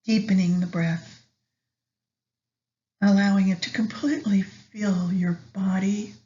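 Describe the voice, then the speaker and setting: A woman leading a guided meditation in a soft, soothing manner with long pauses between phrases. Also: mid-range voice, steady tone. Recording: slightly dull lo-fi recording.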